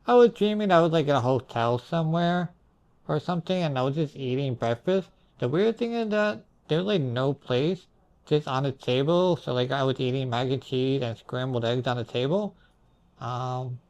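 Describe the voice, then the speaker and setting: Telling the story of his own dreams, a young man speaks in an animated, mid-range voice with a darkish tone at normal speed. The storytelling is casual and rambling: he sounds hazy and puzzled, drifting into asides and circling back as he tries to piece things together.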